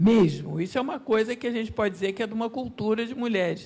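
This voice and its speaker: Her dark, mellow tone is somewhat breathy, as this woman speaks at a fairly high pitch with ordinary pitch variation. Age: 70s. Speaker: author and feminist scholar. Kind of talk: panel talk at book launch. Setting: book launch event with audience. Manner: halting, many false starts.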